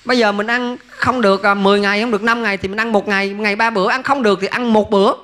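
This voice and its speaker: Male monk preaching casually, high and bright, keeps asking "see?". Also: fairly even intonation, rapid-fire. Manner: folksy, asks listeners rhetorical questions. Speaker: Buddhist monk teacher. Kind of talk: Buddhist dharma talk answering questions.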